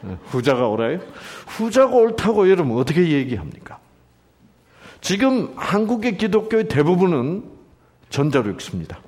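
A man's voice: high-pitched, big pitch swings, moderate pace, darkish tone, breathy edge. A man preaching a sermon, asking the congregation questions and acting out quoted lines in shifting voices. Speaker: pastor.

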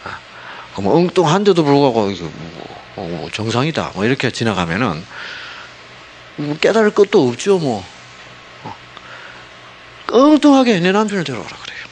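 A man preaching a sermon, asking the congregation constant rhetorical questions and dropping from loud emphasis to hushed asides. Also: mid-range voice, huge pitch swings, moderate pace, slight background noise. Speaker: pastor.

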